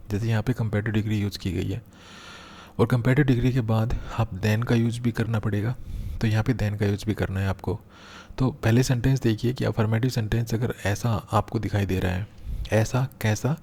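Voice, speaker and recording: A man teaches a grammar lesson in a low, mellow voice. He explains patiently, repeating each step, and slows right down when he reads an example sentence aloud. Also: husky. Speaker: English teacher.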